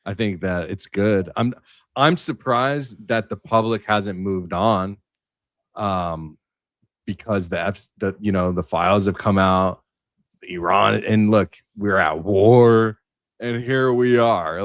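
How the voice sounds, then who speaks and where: A man's voice: lowish voice, slow pace, no echo, clean studio sound. A man talking casually as a panelist and content creator on a livestream roundtable.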